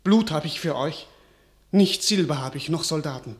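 An actor as a weak, self-pitying medieval king with a fairly high male voice. He declaims theatrically, full of feeling, in the style of a classic radio play. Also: moderate pace, lightly acted. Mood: desperate. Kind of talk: classical radio drama acting.

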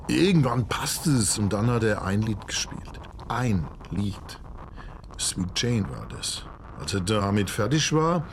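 Worked up hessian bloke ranting his story, radio play, really animated, bit of background noise. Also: on the low side. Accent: Hessian German. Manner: colloquial, indignant, animated storytelling. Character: agitated local concertgoer, gruffly recounting a rock-show brawl.

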